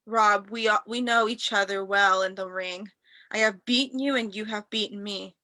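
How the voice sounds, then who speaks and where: Woman playing a bright, cocky wrestling prince. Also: medium pitch, steady tone, moderate pace, no room sound, natural voice. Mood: menacing, boastful. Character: cocky young male wrestler prince, vengeful braggart. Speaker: actor in a staged reading. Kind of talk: amateur read-through of wrestling promos.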